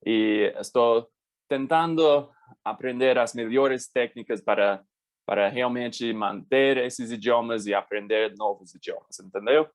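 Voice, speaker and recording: Guest voice: American man, native English speaker, mid-pitched, halting second-language delivery. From United States. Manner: halting, restarts words while searching. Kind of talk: casual interview.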